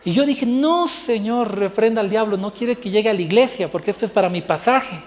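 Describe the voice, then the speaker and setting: A man's voice: high voice, fairly quick, big-room sound. A male pastor preaching a sermon, telling a personal story and acting out the dialogue. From Bolivia.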